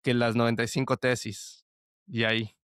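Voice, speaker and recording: A man's voice: medium pitch, flat delivery, moderate pace, a bit bright, smooth, dry recording, studio quality. A young man telling his story as a podcast guest, earnest and full of restarts. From El Salvador. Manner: earnest, with frequent restarts and fillers like "este". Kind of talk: conversational testimony.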